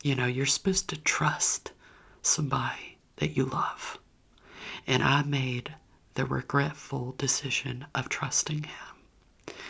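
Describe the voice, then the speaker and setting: A woman's voice: rumbling low, creaky, husky. A woman whispering a candid personal story straight to her viewers in a chatty, conversational way. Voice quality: whispering throughout.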